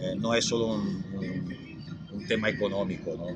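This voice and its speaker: A man speaks at a fairly low pitch with an Italian accent. Audible room echo and noticeable background noise surround his voice. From Italy (Milan). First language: Italian (speaking Spanish). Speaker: chef and restaurant owner. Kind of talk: interview.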